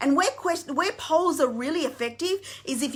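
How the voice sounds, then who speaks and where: Raised and projected, a woman's bright, sharp voice moves at a fairly quick pace with an animated tone and lively intonation. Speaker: business coach. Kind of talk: live stream tutorial. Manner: fast.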